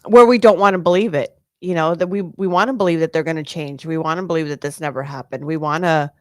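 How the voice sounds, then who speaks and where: Brief: female co-host, lower voice, rambling and casual, swears, very dry mic. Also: fast, no room sound. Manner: rambling, many "like" fillers, swearing. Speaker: podcast co-host. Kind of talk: casual podcast chat.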